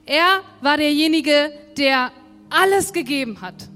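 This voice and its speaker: Brief: high-pitched woman preacher, chatty sermon, long hall echo. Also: a little slow, bright, forceful tone. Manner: conversational, addresses the congregation directly. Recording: long hall reverb, faint music.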